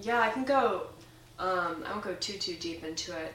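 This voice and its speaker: A woman with an American accent and ordinary pitch variation, amid noticeable background noise and audible room echo. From Arizona, US. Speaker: yoga teacher. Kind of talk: casual interview.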